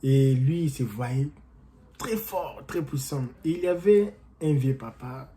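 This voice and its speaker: A man with a mellow, warm voice talks straight to his viewers as friends, animated and often repeating himself as he gives advice. His delivery is loose and conversational, moving from encouragement into a folk story. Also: medium pitch, a little slow, slight background noise. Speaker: vlogger and coach. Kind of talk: casual motivational talk to camera. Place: living in the United States.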